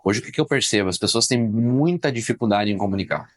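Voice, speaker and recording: A man, a journalist guest, talking in a casual podcast interview, opinionated and emphatic, telling stories quickly. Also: on the low side.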